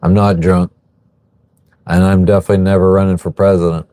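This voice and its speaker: A man's voice: deep voice, little pitch movement, brisk, warm tone, no echo. A man in his thirties hosting a casual livestream from an anchored sailboat, answering viewer comments offhandedly and swearing freely. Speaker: livestream host. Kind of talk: casual live chat reading viewer comments.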